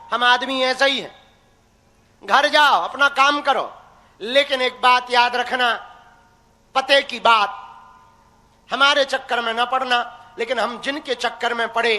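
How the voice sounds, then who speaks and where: A man's voice: extremely high pitch, bright, forceful tone. A young man preaching live to a crowd, teasing and folksy as he exhorts his listeners. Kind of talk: live religious discourse to a crowd. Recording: echoey hall reverb.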